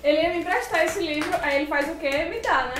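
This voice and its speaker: A woman hosting a casual gift unboxing chat, excitable and full of exclamations. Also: extremely high pitch, quick pace, over music. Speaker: channel host. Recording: roomy, distant mic.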